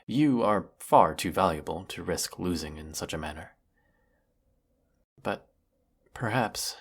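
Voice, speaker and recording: A man playing a cruel yet lonely galactic emperor in a sci-fi audio drama, speaking in a husky, measured, theatrical and menacing way. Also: heavily acted. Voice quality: gravelly, husky, low. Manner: measured, theatrical, menacing, formal villainous drawl. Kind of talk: scripted sci-fi audio roleplay monologue.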